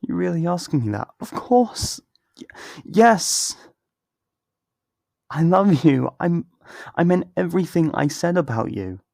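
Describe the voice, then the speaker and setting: A man playing a torn, tender best friend in an intimate ASMR roleplay, speaking in a halting, emotional, pleading way. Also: a little high, very animated, gravelly, a little mellow, no room sound, studio quality, full character voice. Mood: hurt, defensive, then anguished, confessing. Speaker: audio roleplay voice actor.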